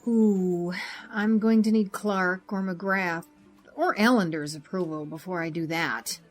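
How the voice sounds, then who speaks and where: A woman's voice: on the low side, unhurried, faint music behind, close to an everyday voice. An actress playing a frank, dryly humorous female doctor in a naturalistic audio drama. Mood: weary, guarded. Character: frank, warm-hearted female doctor, mother.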